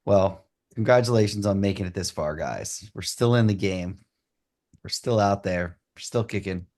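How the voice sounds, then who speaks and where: A man in his forties with a low, gravelly voice co-hosts a casual podcast. He makes dry, teasing remarks at his friends. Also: moderate pace, darkish tone. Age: 40s. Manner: wry, teasing asides. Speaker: podcast co-host.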